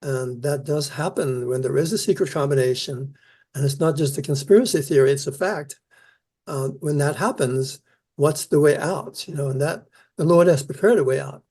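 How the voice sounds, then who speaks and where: An older man, born in the Netherlands and raised in New Zealand, answering interview questions about his scripture research in an earnest, measured way. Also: fairly high pitch, darkish tone. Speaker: Isaiah scholar, keynote speaker.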